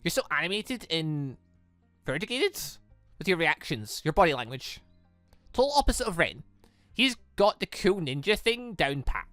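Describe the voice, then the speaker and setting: A gaming YouTuber reading out the part of an excitable, eager young woman in a visual novel, flustered and gushing, with music behind. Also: medium pitch, moderate pace, dry recording.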